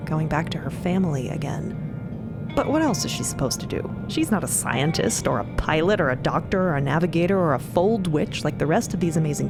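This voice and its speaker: A woman's voice: low-pitched, gravelly. A woman narrating audio fiction in the present tense, in a storytelling style. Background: music.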